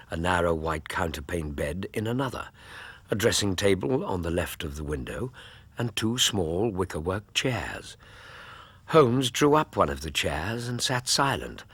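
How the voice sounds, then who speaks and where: A man playing Dr Watson, deep steady storyteller. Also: husky, dry recording, exaggerated voice. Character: Dr Watson, Victorian doctor and narrator, man. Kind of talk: audio drama narration.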